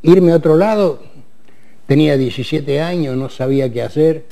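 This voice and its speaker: A man's voice: a little high, moderate pace, gravelly, dark tone. Hesitant Argentine man in his eighties. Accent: Argentine Spanish. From Córdoba, Argentina. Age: 80s. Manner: hesitant, many fillers and restarts. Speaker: interview guest, retired military man. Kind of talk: casual interview. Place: TV studio. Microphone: lapel.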